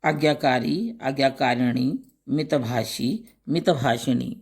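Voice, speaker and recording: A male teacher works through a grammar lesson, reading out word pairs one at a time. He speaks very slowly and deliberately, pausing after each word. His voice sits at an ordinary mid pitch. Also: fairly even intonation, vocal fry, husky. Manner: slow, deliberate recitation of word lists with brief explanations.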